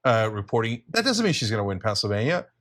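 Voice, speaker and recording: A man's voice: fairly low pitch, big pitch swings, fast talker, fairly bright tone. A middle-aged man hosting live election night coverage, explaining the early results to viewers with emphasis. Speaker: show host.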